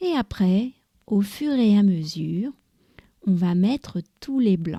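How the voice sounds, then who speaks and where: Slowly and somewhat breathily, a woman speaks at a medium pitch with lively intonation and a dark, mellow tone. The very clean recording has a silent background and a dry, close sound with no echo. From France. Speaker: language podcast host. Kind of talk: podcast, cooking with a friend in the kitchen. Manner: slow, clear.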